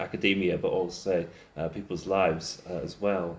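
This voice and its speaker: Over noticeable background noise, a man talks in a fairly low voice. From Yorkshire, northern England. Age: 30s. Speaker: musician and pastor. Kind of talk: interview. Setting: studio.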